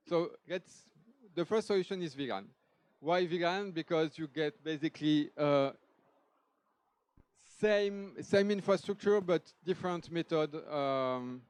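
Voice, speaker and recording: A man with a French accent giving a technical conference talk, lively and conversational, with frequent restarts and asides. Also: on the high side, no room sound. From France. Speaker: conference speaker. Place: conference hall stage.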